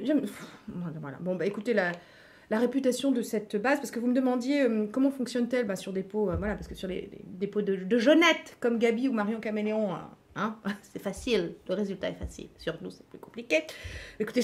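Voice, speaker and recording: A woman's voice: medium pitch, darkish tone. A middle-aged woman giving a chatty makeup tutorial, playful asides and frequent hesitations. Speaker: beauty vlogger.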